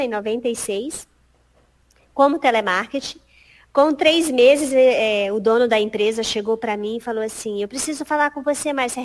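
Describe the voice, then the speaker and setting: A middle-aged woman from Piauí, Brazil, appears as a podcast guest in a casual storytelling interview, speaking Brazilian Portuguese with a Piauí accent. She has a high voice and tells stories in a lively, animated way, mimicking and acting out the people she quotes and laughing often.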